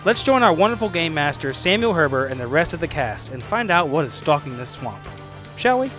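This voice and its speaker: Animated higher-voiced man narrating over music. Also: fairly quick. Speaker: podcast host and player. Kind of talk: scripted podcast intro narration.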